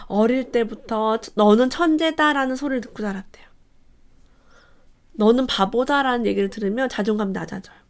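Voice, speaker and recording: A woman hosting a casual book review for parents, reading quotes aloud in a lively, animated way. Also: medium pitch, gravelly.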